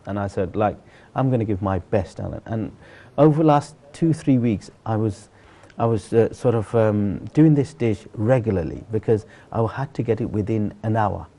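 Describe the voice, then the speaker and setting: A middle-aged Bangladeshi chef of some fame, hailing from Sylhet, speaks in a warm, lowish voice at a moderate pace with hardly any pauses. Interviewed as a guest, he earnestly narrates his life in a conversational manner, stressing points through repetition.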